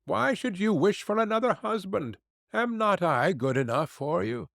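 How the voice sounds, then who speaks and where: A man's voice: high voice, lively intonation, moderate pace, creaky, a bit bright, no echo, clean studio sound, pitched above the performer's own voice, heavily acted. A man doing a blunt, teasing beggar fiddler. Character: rough travelling fiddler, plain-spoken grown man.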